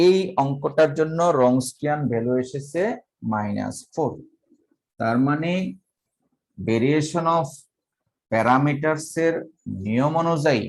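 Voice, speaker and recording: A man from Bangladesh lecturing on math, talking slowly and methodically and dictating each formula step by step. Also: mid-range voice, poor audio.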